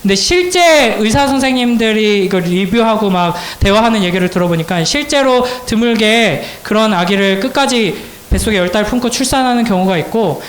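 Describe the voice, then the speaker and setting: Man, youth pastor, high-pitched, storytelling sermon, fervent preaching, echoey church hall. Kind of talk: sermon to high school students.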